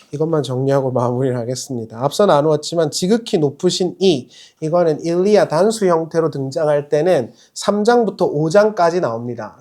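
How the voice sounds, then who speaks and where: Man, pastor, sermon, high-pitched, conversational, rhetorical questions, acts out quotes. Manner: conversational, lively, asks the congregation rhetorical questions; acts out quoted speech in other voices.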